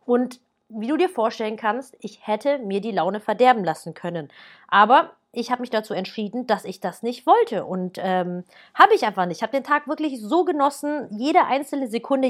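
A woman in her thirties who works as a wedding planner talks to the listener in a lively, familiar way. Her voice sits slightly high, and she chats freely as she explains things. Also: normal speed. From Germany. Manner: chatty, lively, speaks directly to the listener. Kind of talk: casual advice talk to a listener.

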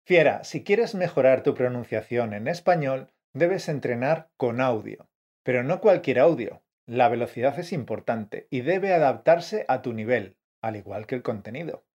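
A man co-hosting a scripted teaching podcast, brisk and coaching in tone. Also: mid-range voice, lively intonation, a little mellow, dull audio. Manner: brisk, coaching, calls listener "campeón" and "fiera". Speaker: podcast co-host, Spanish teacher.

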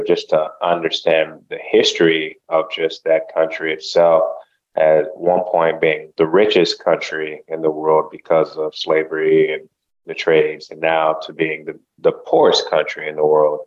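A man from the United States whose first language is Haitian Creole, speaking as a podcast guest in a measured, reflective way. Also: a bass voice, darkish tone, muffled recording. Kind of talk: casual interview chat.

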